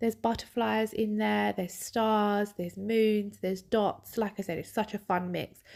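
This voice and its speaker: Delivered in an English accent at a moderate pace, the speech is monotone and flat, with hardly any pauses. The recording is very clean, with a silent background. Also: woman, medium pitch for a woman. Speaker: nail technician. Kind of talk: tutorial voice-over.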